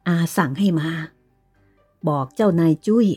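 A woman's voice: lowish voice, expressive, a little slow, a little mellow, soft background music. A woman reading a stern aristocratic aunt. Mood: commanding. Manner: authoritative, giving orders and reproaches. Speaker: reader voicing a character. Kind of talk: dramatized novel reading.

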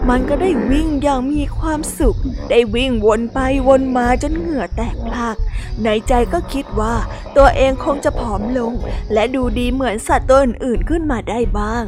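A woman reads a children's storybook aloud in a gentle, expressive way. Her voice sits high for a woman. Soft music plays faintly underneath. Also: moderate pace. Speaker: narrator. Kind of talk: scripted storybook narration.

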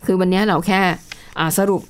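A woman's voice: on the low side, fairly even intonation, brisk, smooth. A woman co-hosting a casual news chat show, explaining with examples and adding polite particles. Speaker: radio news co-host.

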